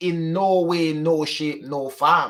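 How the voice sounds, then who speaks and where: A man's bright, sharp voice with a strong Jamaican accent. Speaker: YouTube commentator. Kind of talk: casual monologue. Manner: Jamaican Patois mixed with English.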